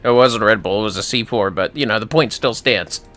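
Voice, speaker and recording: A man's voice: fairly low pitch, brisk, a bit bright, faint music behind. A man giving casual livestream commentary on a game, chatting in informal asides with some swearing.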